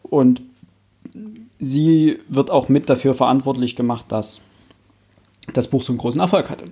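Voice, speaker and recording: A man's voice: mid-range voice, normal speed, dark tone, slightly rough. A young man hosting a casual book discussion, thinking aloud in a hesitant, self-correcting way. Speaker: podcast host.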